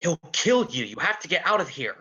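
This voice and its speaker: Man as an earnest, husky young dragon. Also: mid-range voice, expressive, normal speed, bright, forceful tone, lo-fi sound. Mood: urgent. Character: earnest, protective young male dragon, no longer a baby. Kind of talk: cartoon fan audio drama acting.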